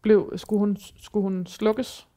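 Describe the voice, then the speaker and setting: Gentle woman asking questions. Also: mid-range voice, flat delivery. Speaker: interviewer. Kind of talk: conversational interview.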